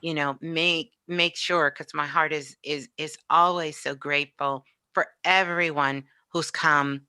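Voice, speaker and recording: A woman's voice: deep voice, fairly even intonation, a little slow, sharp tone, smooth, dry recording, clean studio sound. A woman answering interview questions as a show guest in a conversational, reflective way.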